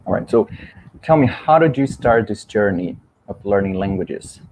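A young man with a Brazilian Portuguese accent hosting a live-stream interview on a video call, speaking slowly in simple words for learners. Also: fairly low pitch, lively intonation, background noise. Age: young adult. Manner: slow, simple wording for learners. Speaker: host, language mentor. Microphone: earphone headset on a video call.

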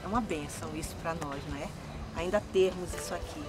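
Older female singer, lively storyteller, lapel mic outdoors, light music bed. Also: fairly low pitch, a little fast. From Manaus, Brazil. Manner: animated, lively storyteller with hand gestures. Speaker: singer guest. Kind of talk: storytelling interview answers. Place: outdoors in a forest park.

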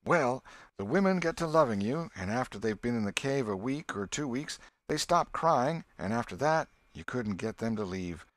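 A man's voice: medium pitch, moderate pace, voice pushed up, natural voice. A man reading an audiobook, voicing an eager, bossy boy who leads a gang and lectures his friend. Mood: eager, lecturing. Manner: excited, bossy, know-it-all. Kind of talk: audiobook character voice.

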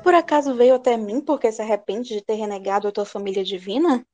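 Mocking, commanding priestess played by a woman, Brazilian accent, fairly high, over prominent music in a radio play. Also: quick pace, a little mellow, lightly acted. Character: imperious, mocking sibyl priestess of Apollo. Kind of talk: audio drama acting.

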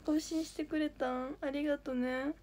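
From indoors at home, a young woman who hasn't slept runs a casual phone livestream as an idol trainee, reading comments, thanking viewers chirpily and sometimes whispering. Her high-pitched voice is a little mellow, fairly even in intonation and moderate in pace.

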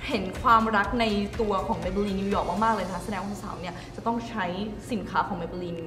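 A young woman presenting a promotional interview in an animated, giggly manner as host and interpreter. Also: medium pitch, normal speed. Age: young adult. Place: indoor studio set, seated. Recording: roomy reverberant studio, music behind.

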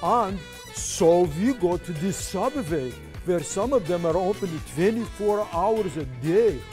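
A man's voice: high voice, animated, unhurried, darkish tone, faint music behind. A man playing a flamboyant, party-loving rocker in a parody commercial, with an exaggerated foreign-sounding delivery. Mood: swaggering.

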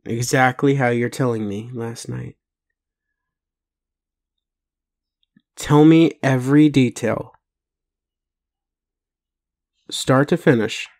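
A man playing a bewildered, doubting but gentle partner in an intimate roleplay audio, speaking haltingly with pauses. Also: mid-range voice, natural voice. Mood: puzzled, doubting. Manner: halting, hesitant, full of pauses and sighs.

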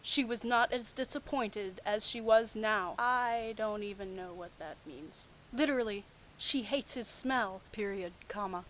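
Sarcastic young woman with a high voice. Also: fairly bright tone, slight background noise, low-quality recording. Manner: sarcastic, incredulous asides. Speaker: host of a comic fan fiction reading series. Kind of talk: reading fan fiction aloud with mocking commentary.

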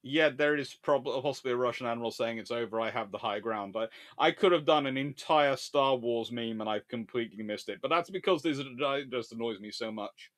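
A man's voice: medium pitch, brisk, few pauses, a bit bright. A man giving a long, digressive history lecture on a livestream, sarcastic and openly exasperated at blunders.

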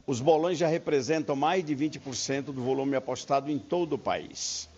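An older man who is president of a lottery federation chats in an upbeat, folksy salesman style during a live TV interview inside a busy lottery shop. His mid-range voice is husky and darkish at a normal speed, captured on a handheld reporter mic with muffled broadcast field audio.

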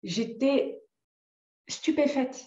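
A woman telling her own story in a personal testimony, with many pauses and restarts. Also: high-pitched, dark tone, echoey room, lo-fi sound. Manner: hesitant, many fillers and restarts. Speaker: interviewee sharing a personal story.

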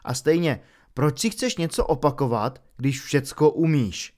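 A man voicing a cheeky, easily bored schoolboy wizard in a lively, matter-of-fact way. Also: fairly high pitch, close to an everyday voice. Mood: grumbling.

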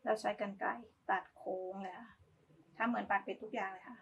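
A woman's voice: mid-range voice, steady tone, brisk, gravelly, dull audio, a little hiss or hum. A woman giving a casual, polite step-by-step craft tutorial, talking as she demonstrates. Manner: informal, polite, talks while demonstrating.

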